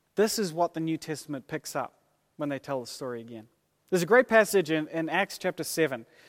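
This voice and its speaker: A man with an American accent talks at a very fast pace with a fairly high pitch, lively intonation and big swings in loudness. The sound is dry and close, with no echo. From New Zealand. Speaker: preacher. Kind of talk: sermon. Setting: church.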